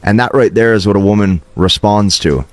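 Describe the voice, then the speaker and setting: Low-voiced man giving emphatic advice, dry sound. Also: a little fast, no room sound. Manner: emphatic, instructive, often checks in with "okay". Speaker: host, dating advice coach. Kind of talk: motivational advice monologue to camera.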